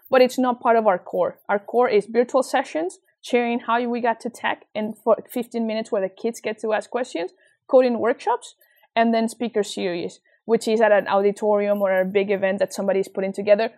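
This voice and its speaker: A woman's voice: on the high side, steady tone, fairly quick, darkish tone. A woman with a Venezuelan Spanish accent, speaking as an interview guest in an earnest, encouraging, conversational way, telling anecdotes. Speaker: interview guest, tech nonprofit leader.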